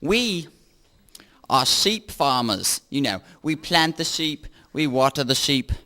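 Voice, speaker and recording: A man playing a slow, deadpan male sheep farmer, pushing his voice comically low. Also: exaggerated voice. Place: studio.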